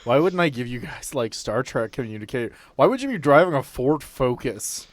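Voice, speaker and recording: A man's voice: mid-range voice, animated, brisk, no room sound. A man bantering casually with friends as a player on a tabletop game podcast, joking and swearing freely. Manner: joking, profane.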